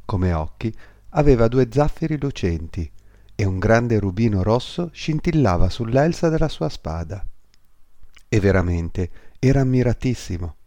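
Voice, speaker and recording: A man reading a fairy tale aloud as narrator, measured storytelling. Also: lowish voice, animated, warm tone, no echo, clean studio sound.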